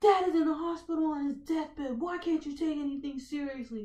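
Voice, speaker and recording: In a put-on character voice, the speaker whines at a high pitch and a fairly quick pace. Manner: whiny, upset.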